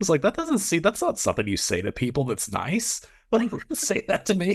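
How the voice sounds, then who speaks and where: The voice swings very widely in pitch, with an American accent and a dry, close sound with no echo. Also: man, high pitch for a man. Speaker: film website writer. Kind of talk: casual chat.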